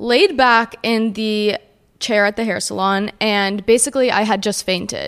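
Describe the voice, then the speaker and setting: This woman has a plain, everyday voice, pitched fairly high. She talks at a fairly slow pace with fairly even intonation. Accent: American. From New Jersey. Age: 20s. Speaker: podcast host. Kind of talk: casual personal monologue.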